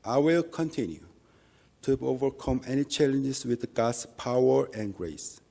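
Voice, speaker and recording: A man with a Korean accent gives a church testimony in English, speaking slowly and with real care. His voice is mellow and carries a gravelly edge, and he restarts phrases now and then in an earnest, halting way. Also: medium pitch, expressive. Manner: earnest, halting, measured delivery with small restarts. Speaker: lay minister giving testimony.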